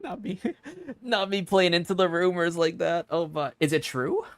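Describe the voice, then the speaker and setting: A gaming streamer doing casual live commentary, rambling and thinking aloud in an expressive way. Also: mid-range voice, normal speed, no echo.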